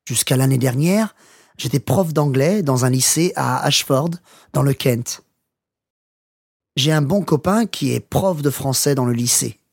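An actor playing a retired English teacher in his sixties, reading a scripted journal in measured, simple learner's French. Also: mid-range voice, vocal fry, a little mellow, husky, no echo, studio quality. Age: 60s. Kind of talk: scripted first-person journal read aloud for language learners.

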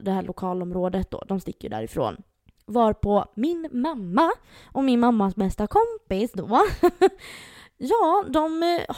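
A young woman on a podcast, telling a story casually and animatedly and acting out the voices she quotes. Her tone is dark and mellow, and the recording is close and dry, with no room sound. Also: on the high side, no room sound. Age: young adult. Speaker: podcast co-host.

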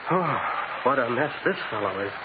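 An actor playing an excitable, slangy detective's sidekick in a 1940s radio drama, given to folksy exclamations. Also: male voice, medium pitch, moderate pace, phone-quality sound, close to an everyday voice. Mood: puzzled, uneasy. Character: excitable, slangy male sidekick, easily startled. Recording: very noisy, thin old radio recording.

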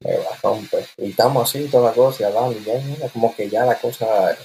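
A man, telling a story in casual podcast chat and acting out quotes in a high voice. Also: fast talker, slight background noise, low-quality recording. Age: 20s. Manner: animated, acts out quotes in a high voice.

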